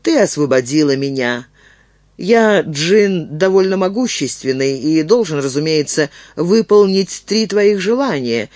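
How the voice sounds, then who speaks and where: A man's voice: fairly high pitch, expressive, a little slow, a little mellow, no echo. A man doing a stately ancient djinn. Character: ancient giant male djinn, calm, courteous.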